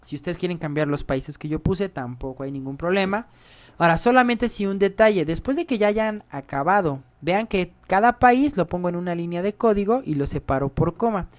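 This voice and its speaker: A man's voice: sits high, lively intonation, fairly quick. Man teaching code. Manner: explanatory, often checks in with the viewers. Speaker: programming instructor. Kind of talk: screencast coding tutorial.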